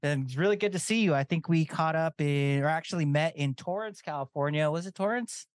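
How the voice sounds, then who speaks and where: A male podcast host with a notably high voice. He keeps things upbeat and energetic, welcoming his guest and steering the conversation. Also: brisk, clear, resonant tone, no room sound. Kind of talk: podcast intro and interview.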